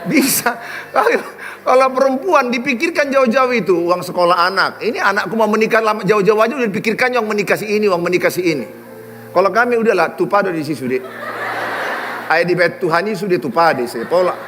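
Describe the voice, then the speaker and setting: A man's voice: high voice, a little fast, big-room sound, a little hiss or hum. A middle-aged man preaching a sermon, telling stories with humor. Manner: animated, humorous storytelling. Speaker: pastor. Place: large church hall.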